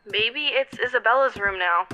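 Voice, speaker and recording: An actress playing a chatty young best friend, casual, slangy and teasing, in audio drama dialogue. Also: female voice, a little high, moderate pace, sharp tone. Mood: curious.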